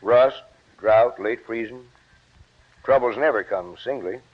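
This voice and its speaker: A man's voice: medium pitch, slow. An actor playing a plain-spoken, tired older farmer father in a 1940s radio drama. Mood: weary. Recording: muffled vintage radio broadcast.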